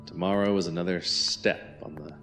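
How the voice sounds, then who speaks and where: An actor playing a calm villain in an audio drama, unhurried and falsely courteous with quiet menace. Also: male voice, sits low, creaky, over loud music. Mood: smooth menace. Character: calm, soft-threatening male villain holding captives.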